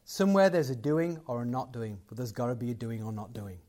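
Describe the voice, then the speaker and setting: A man's voice: medium pitch, a little fast, dark tone. A man giving a closing sermon and prayer to a live gathering, conversational and building to emphatic points. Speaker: guest preacher.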